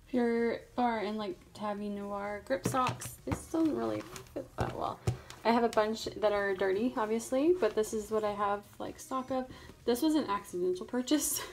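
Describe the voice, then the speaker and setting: A woman's voice: a little high, a little mellow. Chatty young woman vlogging. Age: young adult. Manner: chatty, lots of "like" fillers. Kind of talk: casual vlog chat.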